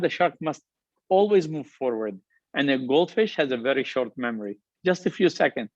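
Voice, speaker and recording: A man's voice: fairly high pitch, no echo, muffled recording. A middle-aged man from Lebanon with a heavy Lebanese accent, giving an earnest, upbeat motivational talk about his business and his journey. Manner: earnest, upbeat, emphatic with repeated phrases. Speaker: restaurant company founder giving a talk. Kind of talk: motivational keynote speech.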